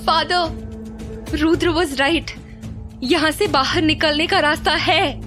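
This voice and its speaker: A woman's voice: high-pitched, takes it slowly, a bit bright, soft background music. A woman playing an urgent, pleading survivor in a horror audio drama.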